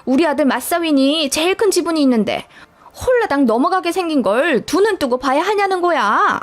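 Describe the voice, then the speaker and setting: A prying, scheming older mother-in-law, read by a woman, high-voiced and insinuating. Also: lively intonation, moderate pace. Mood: self-justifying. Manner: prying, self-justifying, insinuating.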